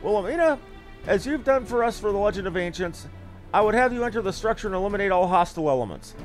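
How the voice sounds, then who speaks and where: A man's voice: high-pitched, animated, fast, soft background music, voice pushed up. A man voicing an earnest scholarly expedition leader from a fantasy game, formal and declamatory. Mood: earnest, commanding. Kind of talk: fantasy game dialogue read aloud.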